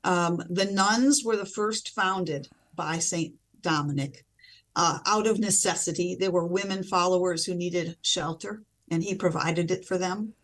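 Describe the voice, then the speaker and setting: Measured woman religious sister explaining. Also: lowish voice, fairly bright tone. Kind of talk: explanatory interview answers.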